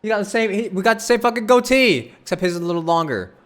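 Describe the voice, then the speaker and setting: A man's voice: sits high, animated, fast talker, a bit bright. A man livestreaming a game, reacting casually in a candid, slangy, exclaiming way. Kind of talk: casual live gameplay reaction. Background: game music.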